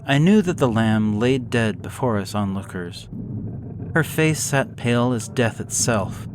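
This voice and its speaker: A man slowly reading a gothic horror story aloud in a measured, somber way. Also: mid-range voice, animated. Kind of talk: scripted horror narration. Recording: hissy background noise.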